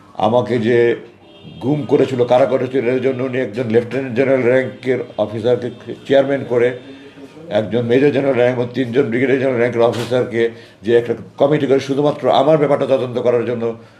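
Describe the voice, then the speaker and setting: A man's medium-pitched, monotone, flat delivery over faint music in the background. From Bangladesh. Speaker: retired army officer; conference speaker. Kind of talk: press conference statement. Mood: earnest, hopeful. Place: hall.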